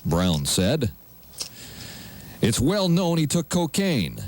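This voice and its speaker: A man's voice: on the high side, wildly swooping pitch, slow, a little mellow. A man working as a morning radio co-host and newsreader. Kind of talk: news reading and banter.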